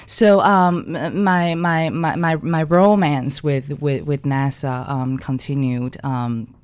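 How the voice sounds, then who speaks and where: Woman, from Taiwan, low voice, halting speech, lots of fillers, interview guest. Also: fairly even intonation, a little mellow. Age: young adult. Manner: halting, many fillers and restarts. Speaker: guest designer. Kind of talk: casual interview talk.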